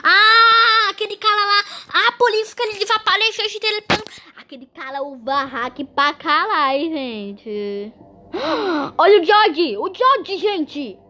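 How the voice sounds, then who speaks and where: A woman with a Brazilian accent giving excited, exclamatory gameplay commentary to her viewers. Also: very high voice, measured pace, a little hiss or hum. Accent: Brazilian Portuguese. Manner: animated, exclamatory, talks to viewers. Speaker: gaming video host.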